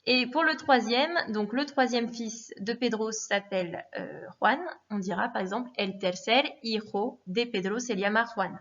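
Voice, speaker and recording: A woman teaching a lesson in a patient, methodical way, repeating forms and pausing with fillers. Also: medium pitch. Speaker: Spanish teacher. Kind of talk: recorded classroom lesson. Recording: dull lo-fi recording.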